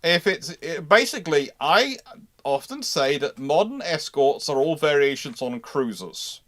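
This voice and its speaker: Male Q&A host, slightly high voice with lively swings, chatty explainer who slips in playful asides. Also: a little slow. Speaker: host answering viewer questions. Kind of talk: casual live Q&A discussion.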